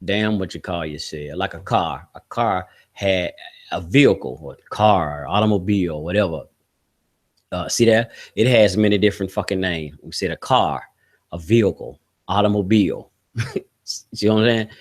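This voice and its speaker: A man's voice: deep voice, moderate pace. A man hosting a podcast, ranting bluntly with heavy swearing, rhetorical questions and short chuckles. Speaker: podcast host. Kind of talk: opinionated solo podcast rant.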